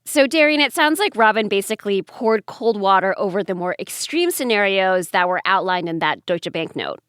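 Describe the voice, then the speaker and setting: A woman co-hosting an economics podcast, guiding the explanation in a lively, engaged way. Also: mid-range voice, moderate pace, smooth, no room sound, studio quality. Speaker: podcast co-host. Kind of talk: conversational explainer.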